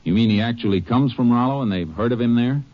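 An actor playing a calm, shrewd Texas Ranger in a 1950s radio western, speaking in a terse, matter-of-fact way. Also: male voice, mid-range voice, fast talker, lightly acted. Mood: brisk, probing. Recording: dull old 1950s radio recording.

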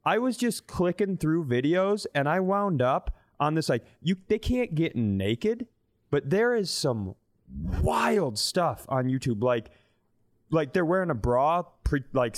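A man in his mid-thirties co-hosting a comedy podcast, telling casual, blunt stories with swearing and acted-out quotes. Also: on the high side. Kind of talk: animated casual comic storytelling.

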